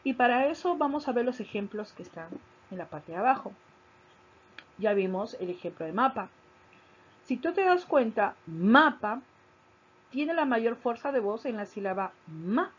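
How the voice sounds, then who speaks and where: A woman teacher gives a recorded grammar lesson in a dull lo-fi recording, her fairly high voice breathy at the edges and swinging widely in pitch. She explains slowly, stresses key syllables, and repeats her points.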